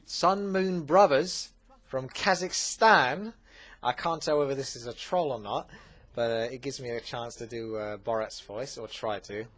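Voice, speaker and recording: A man with an Essex accent, hosting a gaming channel, answering viewer questions in a relaxed, chatty way with plenty of fillers. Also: medium pitch, unhurried. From England. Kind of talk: casual Q&A commentary.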